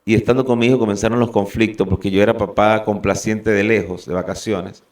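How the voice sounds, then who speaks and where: A man from Venezuela giving an earnest, halting personal testimony as a guest. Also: on the low side, fairly even intonation, darkish tone, recorded from a distance.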